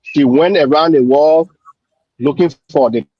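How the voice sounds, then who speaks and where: A man's voice: a little high, a little slow, slightly rough, no room sound. A man joining a talk show remotely off camera, speaking loosely and circling back over his points. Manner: conversational, loose, repeats himself. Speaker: remote co-panelist. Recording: dull lo-fi call audio.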